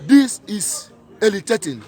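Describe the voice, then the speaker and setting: A man's voice: high-pitched, sing-song, unhurried, a little mellow, husky. A man giving an impassioned protest speech outdoors, repeating his points with emphatic rhetorical questions. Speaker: protest speaker.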